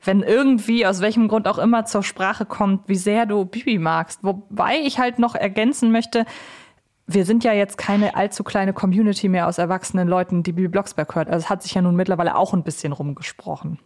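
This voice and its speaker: A woman's voice: mid-range voice, a little fast, darkish tone. A young woman hosting a conversational interview, chatty and explanatory as she frames her questions. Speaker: podcast host.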